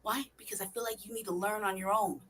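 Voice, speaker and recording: A woman's voice: medium pitch, steady tone, quick pace, a bit bright, slight background noise. A woman from California talking in a casual monologue, swearing often, stressing her points and asking rhetorical questions. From California, United States. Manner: profane, emphatic, rhetorical questions. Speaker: vlogger.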